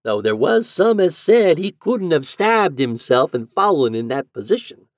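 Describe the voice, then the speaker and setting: A man's voice: big pitch swings, dry recording, clean studio sound. Man putting on a drawling old landlady. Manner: slow drawl, high and loud. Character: drawling sly old landlady, cool and unbothered.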